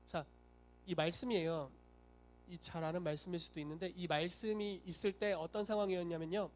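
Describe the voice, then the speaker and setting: A man's voice: high voice, fairly even intonation, a little fast, a little hiss or hum. A male pastor preaching a sermon, telling the story animatedly and acting out the voices he quotes.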